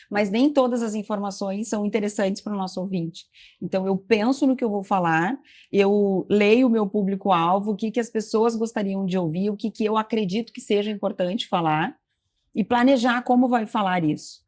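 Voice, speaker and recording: A woman's voice: medium pitch, darkish tone. Assured woman giving advice. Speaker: communication trainer, guest. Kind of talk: expert explaining on a talk show.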